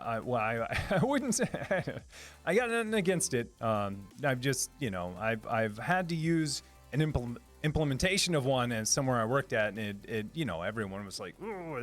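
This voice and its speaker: A man hosting a live stream and answering chat in a rambling, upbeat way, with lots of fillers and restarts. His voice is a little lower than usual today.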